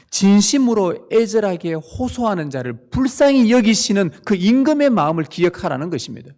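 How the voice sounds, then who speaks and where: Gravelly, animated preaching man. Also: on the high side. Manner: emphatic, asks the congregation rhetorical questions. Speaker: pastor. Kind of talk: sermon. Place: church sanctuary.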